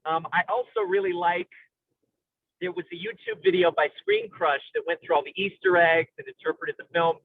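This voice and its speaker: Tinny narrow-band audio, male speaker, fairly high pitch, bookish vocabulary, halting delivery, analytical film chat. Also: animated, creaky, no room sound. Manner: intellectual, academic vocabulary. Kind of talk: analytical film discussion, conversational. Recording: tinny phone-like radio-style sound.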